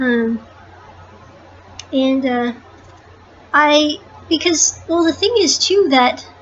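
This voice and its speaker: With noticeable background noise behind it, the voice moves at a very slow pace with long, frequent pauses, lively intonation, and very even loudness. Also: woman, high pitch for a woman. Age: 20s. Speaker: worship leader and video blogger. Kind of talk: casual vlog talk. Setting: sitting on the floor in a small cabin kitchen. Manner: halting, many fillers.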